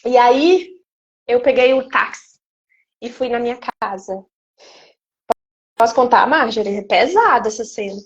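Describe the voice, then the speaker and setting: A woman, a guest giving an emotional personal testimony in an animated storytelling way. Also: a little high, a little slow, pauses often, dull audio. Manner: animated storytelling, acting out quoted speech. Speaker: interview guest.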